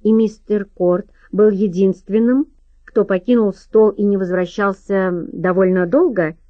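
A woman reading a calm, careful detective. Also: mid-range voice, a little slow, no echo, highs cut off, natural voice. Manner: gentle, careful questioning.

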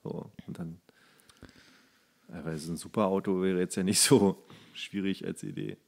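A man's voice: low voice, sing-song, moderate pace, creaky, darkish tone. A man co-hosting a podcast, chatting casually in a colloquial, enthusiastic way. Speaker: podcast co-host. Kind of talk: casual chat about films and series.

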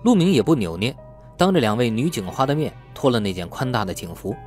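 A man reads a novel as an audiobook narrator. His pitch moves in lively swings, and faint music plays behind him. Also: quick pace. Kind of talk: scripted dramatic novel narration.

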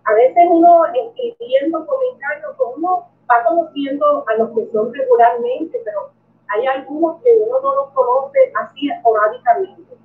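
A woman's voice: very high voice, wildly swooping pitch, moderate pace. A woman hosting her first live stream, chatting emotionally with viewers and greeting them by name. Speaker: coin collecting channel host. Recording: tinny phone-like audio from a distance.

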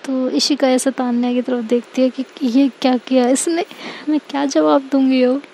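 A woman's voice: high-pitched, flat delivery, moderate pace, dark tone, slight background noise, rough recording. A woman narrating a romance serial in a chatty, intimate storytelling manner. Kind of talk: casual spoken storytelling.

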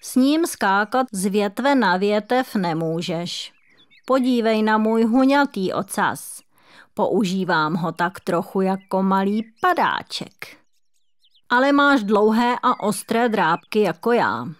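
A woman voicing a cheerful, kind female squirrel in a children's audiobook, gentle and encouraging. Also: mid-range voice, animated, natural voice.

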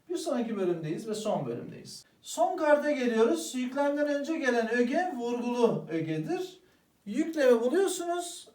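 A man's voice: very high voice, distant mic. A man teaching an exam-prep grammar lesson, speaking to the students as friends and answering his own questions. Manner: lively, addresses students as "arkadaşlar", asks and answers own questions. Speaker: Turkish language teacher. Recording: roomy echo, voice a bit off-mic.

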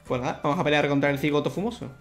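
A young man, chatting excitedly and laughing often as he plays through a video game. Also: fairly high pitch, racing. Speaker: gaming YouTuber. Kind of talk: let's play commentary. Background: faint game music.

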